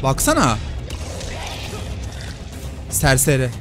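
Excitable man yelling over game music. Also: mid-range voice, extremely slow. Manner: excitable, yells at the screen. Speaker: gaming youtuber. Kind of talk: casual let's-play commentary. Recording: game music loud behind voice.

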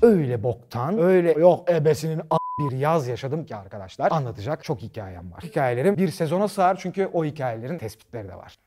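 A man hosting a comedy talk show, delivering a loud, animated stand-up style monologue that swings from shouting to quiet asides. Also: on the high side, quick pace, hardly any pauses, a little hiss or hum.

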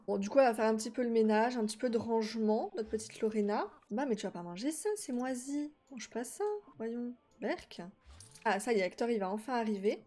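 A woman, chatting casually as she plays a life-sim game, talking to her characters and her viewers and quick to exclaim at what she sees. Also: on the high side, a little mellow. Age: 20s. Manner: quick exclamations of delight and confusion. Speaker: gaming YouTuber. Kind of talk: casual Let's Play commentary.

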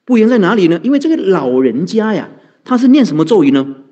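A man, a Buddhist monk, telling a story in a dharma talk, animated and chuckling, chanting mantras slowly. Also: high voice. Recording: dull lo-fi recording.

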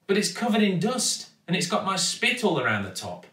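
A man's voice: high-pitched, wildly swooping pitch, brisk, bright, forceful tone, voice pushed up, exaggerated voice. A man voicing a small, flustered young girl who speaks hesitantly and awkwardly. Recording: echoey, distant mic.

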